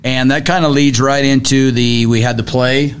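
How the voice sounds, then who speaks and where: A man's voice: mid-range voice, steady tone, moderate pace, clean tone. A man co-hosting a casual local radio chat, giving school news in an easygoing, matter-of-fact way with many fillers. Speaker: co-host, school district representative.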